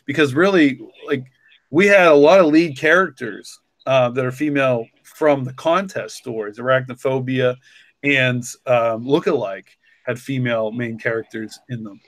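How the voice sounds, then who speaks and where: A man's voice: medium pitch, normal speed, a bit bright, no room sound. A man talking casually and reflectively, rambling with lots of "like" and "you know". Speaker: podcast co-creator and story author.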